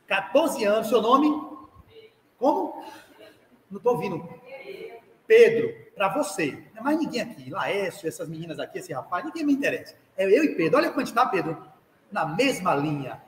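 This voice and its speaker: High-voiced Brazilian man lecturing in an echoey hall. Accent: Brazilian Portuguese. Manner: lively, jokey, addresses listeners directly, acts out quoted parents. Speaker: spiritist lecturer. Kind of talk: live lecture to an audience. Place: spiritist center hall. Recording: echoey hall recording with light background noise.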